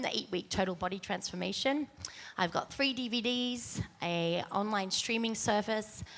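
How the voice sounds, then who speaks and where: A soft-spoken woman with an Australian accent, introducing herself as a panelist on a stage before an audience, speaking into a handheld mic. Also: medium pitch. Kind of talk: panel talk. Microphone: handheld mic, far camera.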